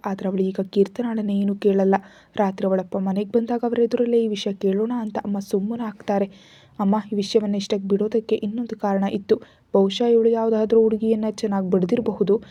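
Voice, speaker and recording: A woman narrating a scripted story in a steady, even reading. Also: medium pitch, no room sound. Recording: dull lo-fi recording.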